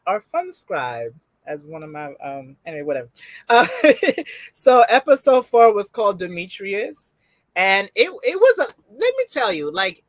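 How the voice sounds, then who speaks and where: A woman's voice: mid-range voice, no echo. Young woman chatting about a tv show at home, voice swings up and down a lot, dry close sound, laughs easy. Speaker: co-host of a TV review show. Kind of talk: casual chat review.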